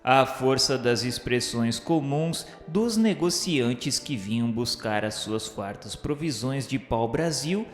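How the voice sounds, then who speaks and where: A man's voice: mid-range voice, lively intonation, slow, few pauses. A man with a Brazilian accent narrating a scripted radio drama in a solemn, formal, literary way. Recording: echoey long reverb, music behind. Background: music.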